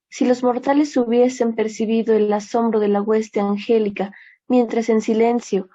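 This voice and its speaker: Young woman, fairly high, mellow voice, steady reading, muffled recording. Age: young adult. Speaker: congregation member reading aloud. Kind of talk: reading a passage aloud.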